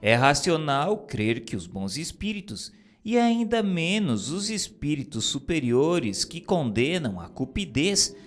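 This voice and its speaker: A man giving a solemn, measured reading of a spiritual text as narrator. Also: soft background music. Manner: slow, measured, grave delivery with lively pitch swings.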